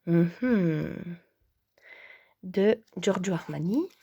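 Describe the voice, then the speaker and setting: A woman's voice: lowish voice, animated, extremely slow, mellow, slightly rough, highs cut off. A woman from Belgium, chatting casually to camera as a vlogger, hesitant and full of fillers, sometimes dropping to a whisper. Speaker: vlogger and sophrology coach.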